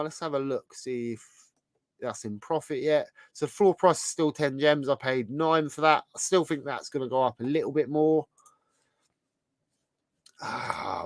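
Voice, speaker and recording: A man with a sore, hoarse throat, hosting a casual livestream and rambling chattily as he browses. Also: fairly high pitch, no echo. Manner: chatty, rambling, thinks aloud while browsing. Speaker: livestream host.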